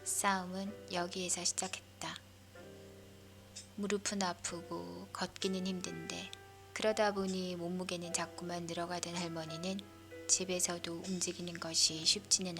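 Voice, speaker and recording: A woman softly whispering a bedtime story as narrator, breathy, as if leaning in close. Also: on the low side.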